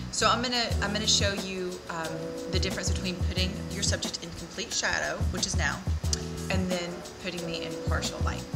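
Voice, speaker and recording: Over loud music in the background, a woman talks at a fairly quick pace. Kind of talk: tutorial. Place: garage.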